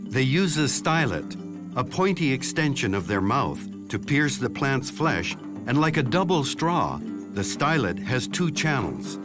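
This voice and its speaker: A man delivering scripted nature documentary narration in a measured, explanatory way. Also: medium pitch, big pitch swings, over music.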